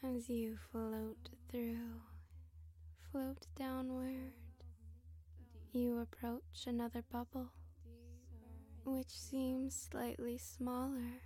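A woman narrating a hypnosis session in a slow, hushed whisper, soothing and repetitive. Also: on the high side, level tone, slightly rough.

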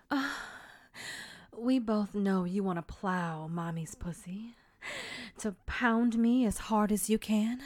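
Woman doing intimate audio roleplay, super slow and breathy, lots of whispering and sighs. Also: medium pitch, dry recording. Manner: soft, breathy, often whispered delivery; drawn-out sighs and moans between phrases.

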